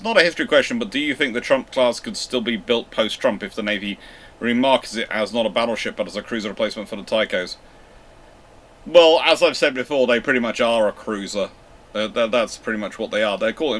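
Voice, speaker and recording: A naval history channel host answers viewer questions off the cuff during a live Q&A, reading each one out first. His voice is lowish and a bit bright. He sounds hesitant, frequently saying um and restarting.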